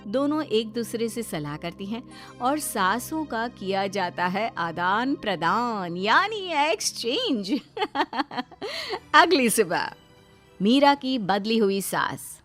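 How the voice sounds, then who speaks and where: A woman narrating a cartoon moral story in an expressive storytelling manner. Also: a little high, slow pace, faint music behind.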